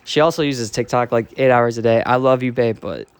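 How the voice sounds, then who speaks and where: A man's voice: medium pitch, fairly quick, smooth, dry recording. Candid young man rambling into a phone. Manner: candid and rambling, heavy swearing and fillers. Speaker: streamer. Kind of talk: casual rambling monologue. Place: dark basement. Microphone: phone held while walking.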